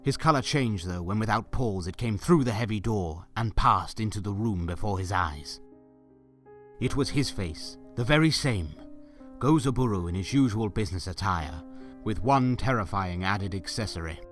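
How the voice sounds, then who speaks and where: Male narrator for audio drama, lower-pitched voice, scripted storytelling over soft music. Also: animated, moderate pace.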